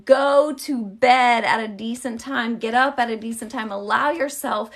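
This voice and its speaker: A woman with a slightly high voice hosts a live tarot card reading into a webcam. She chats freely with her viewers, calling them y'all. When she turns to guidance, her tone becomes calm and encouraging. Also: measured pace. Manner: chatty, addresses viewers directly with y'all. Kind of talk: live-streamed card reading and casual chat.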